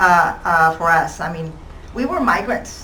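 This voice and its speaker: A woman speaks at a moderate pace in a fairly low voice with ordinary pitch variation, over noticeable background noise and audible room echo. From California, Mexican migrant farm worker family. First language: Spanish. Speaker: community advocate. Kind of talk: public testimony. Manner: halting, many fillers.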